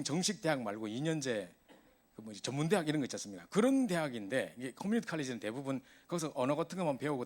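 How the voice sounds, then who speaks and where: A man preaching a sermon to a youth service, telling stories in an animated way. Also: mid-range voice. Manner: animated storytelling, voice rising in exasperation.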